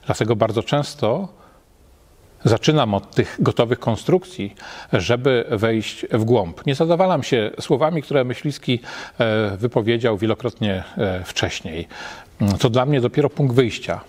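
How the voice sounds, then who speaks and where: A man's voice: mid-range voice, lively intonation, darkish tone. Thoughtful man in an empty lecture hall. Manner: measured, thoughtful, pausing often with hesitations. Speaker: literary scholar. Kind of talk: reflective spoken commentary.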